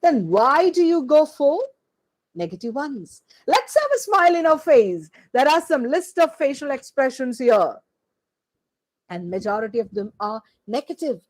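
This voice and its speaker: A woman teacher trainer delivers a slide-based lecture, ticking off points one word at a time. Her voice sits high and husky. She speaks slowly, with lively rises and falls. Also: rough recording. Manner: slow, deliberate delivery with animated pitch.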